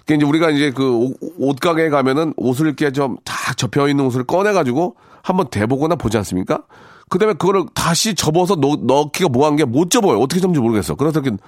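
A man's voice: a little high, lively intonation, fast, darkish tone, dry recording, studio quality. A man hosting a radio show, reading out listener messages and commenting on them in a polite, conversational, rambling way. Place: radio studio.

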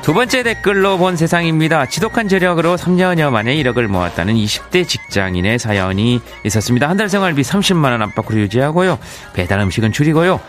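A man with a higher-pitched, expressive voice talks fast with few pauses while music plays behind him. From Yeongcheon, South Korea, and speaking Daegu-Gyeongbuk dialect, he's a radio host in a studio, chatting casually at a studio microphone, reading listener notes, and laughing easily.

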